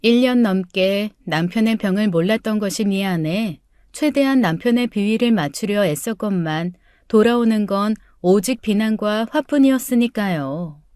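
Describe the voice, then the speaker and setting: A middle-aged woman reading a first-person life story as an audiobook, in a measured, earnest tone. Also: mid-range voice, lively intonation, darkish tone, smooth, dry recording, clean studio sound. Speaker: story narrator.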